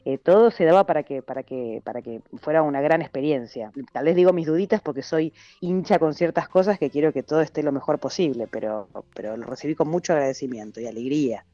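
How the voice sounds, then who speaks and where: Argentine actress, interview guest, low mellow voice, dry muffled sound, chatty and laughing. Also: female voice, quick pace, few pauses, dry recording. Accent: Argentine Spanish. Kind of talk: casual interview.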